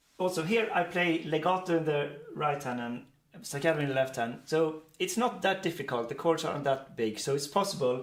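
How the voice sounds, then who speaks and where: Over noticeable background noise, a man with a fairly high pitch speaks at a moderate pace with lively intonation and hardly any pauses. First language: not English. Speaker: pianist and music educator. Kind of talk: live-streamed music tutorial. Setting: livestream at the piano. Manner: halting, many fillers.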